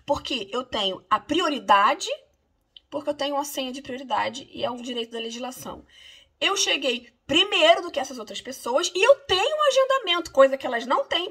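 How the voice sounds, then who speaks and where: A woman's voice: high voice, animated, brisk, sharp tone. A Brazilian woman lawyer with a Brazilian Portuguese accent, recounting something that happened to her in an indignant, emphatic way. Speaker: immigration lawyer. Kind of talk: casual first-person account.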